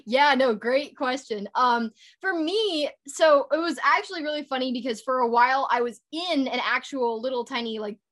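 A young woman with a high voice talks casually as an interview guest. She is chatty and upbeat, and she peppers her speech with fillers and false starts. She works as a voice actor and author. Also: normal speed, hardly any pauses, fairly bright tone. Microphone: home recording setup.

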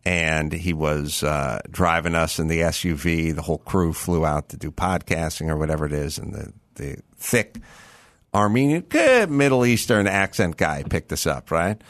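A man co-hosting a home improvement show, ranting and telling stories in casual chat, animated and profane. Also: a bass voice, moderate pace.

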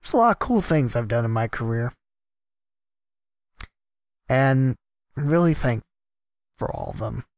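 A man, hosting a solo podcast and rambling casually about announcing gigs, his voice a bit worn from a cough and trailing off quietly at the ends of thoughts. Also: medium pitch, sing-song, measured pace, gravelly, long pauses, no room sound, clean studio sound. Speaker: podcast host and sports announcer.

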